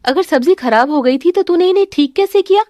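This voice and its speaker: A woman's voice: very high-pitched, lively intonation, fairly quick, dark tone, no room sound, clean studio sound, pitched above the performer's own voice. A woman voicing a strict, commanding mother-in-law who scolds her daughter-in-law. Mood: stern.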